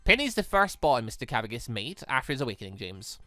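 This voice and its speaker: A game streamer voicing a calm, formal male headmaster in a visual novel, speaking deliberately. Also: medium pitch, no room sound, voice pushed down. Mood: measured, persuasive.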